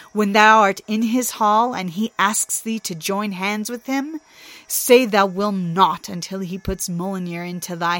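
A woman voices a sly, mocking male trickster god for a storybook reading, teasing and stretching out her mockery. Her voice is mid-range and a bit bright, and the recording is dry.

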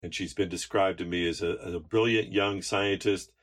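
A man co-hosting a podcast, talking in a loose, chatty way and introducing a guest. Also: moderate pace. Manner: loose and chatty, rises high when excited. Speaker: podcast co-host. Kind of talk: casual podcast chat.

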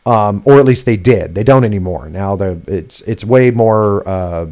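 A man's voice: lowish voice, moderate pace, darkish tone. A man hosting a political talk show in a casual, sarcastic way, swearing freely and mocking his targets. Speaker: podcast host.

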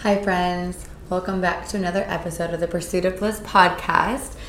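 Woman host, hoarse from a cold, gravelly low voice, earnest and upbeat, roomy echo. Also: steady tone, normal speed, music in the background. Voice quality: raspy. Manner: upbeat, earnest, with filler words. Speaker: podcast host. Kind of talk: casual solo podcast talk. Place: indoors in Costa Rica.

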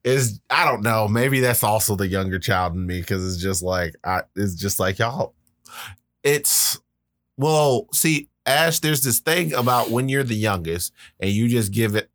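A man's voice: on the low side, expressive, unhurried, fairly bright tone, no room sound. A man co-hosting a casual podcast chat, rambling and circling back with "it's just like". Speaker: podcast co-host.

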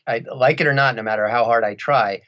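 A man's voice: medium pitch, fairly quick, dull audio. A middle-aged man talking conversationally and a little wryly as an interview guest. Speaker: interview guest, audiobook narrator.

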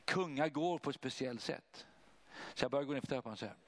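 A man preaching, telling a personal testimony in an animated way and acting out what others said. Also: medium pitch, a little hiss or hum. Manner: animated, acts out voices of others. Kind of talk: testimony storytelling.

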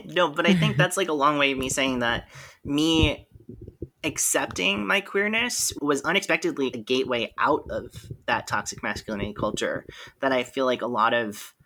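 A man guest on a podcast, telling personal stories in an articulate, animated way and laughing often. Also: medium pitch, moderate pace, a little hiss or hum, rough recording. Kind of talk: candid conversational storytelling.

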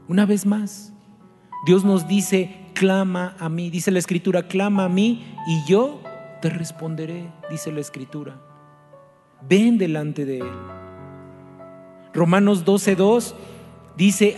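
Earnest preacher in a reverberant hall. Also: male voice, on the high side. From Mexico. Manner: earnest, pleading, repeats rhetorical questions to the congregation. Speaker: pastor. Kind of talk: sermon. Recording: long reverb with soft music behind.

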